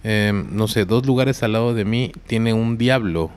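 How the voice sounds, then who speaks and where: A man's voice: on the low side, a little slow. A man with a Mexican accent, a podcast guest telling a story in slangy casual talk. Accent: Mexican Spanish. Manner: slangy, animated when quoting others.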